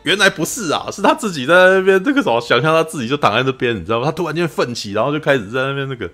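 Fast-talking podcast host. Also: male voice, fairly high pitch, soft background music. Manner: animated storyteller, keeps asking "you know?". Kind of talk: casual film review chat.

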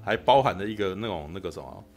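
Fast-talking animated man. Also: low-pitched, faint music behind. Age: 40s. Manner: animated storyteller, keeps asking "you know?". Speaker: podcast co-host. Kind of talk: casual chat.

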